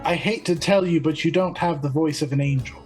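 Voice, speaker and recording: A woman's voice: low voice, a little fast, darkish tone, faint music behind, lightly acted. Woman playing a lazy, know-it-all pirate. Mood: haughty. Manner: haughty, lecturing. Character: lazy pompous pirate who lectures the crew. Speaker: player.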